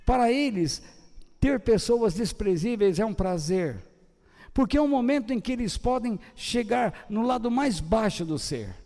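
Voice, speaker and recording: An older man with a Brazilian Portuguese accent preaching a sermon, swinging between loud high bursts and soft low trailing ends. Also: lively intonation, measured pace. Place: church hall. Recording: long church hall reverb.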